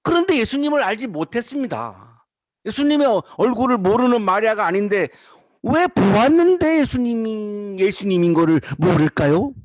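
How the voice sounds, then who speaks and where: A man preaching a sermon as pastor in a chapel, slowly repeating rhetorical questions and quoting scripture. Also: high-pitched, big pitch swings, no room sound, clean studio sound. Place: university chapel.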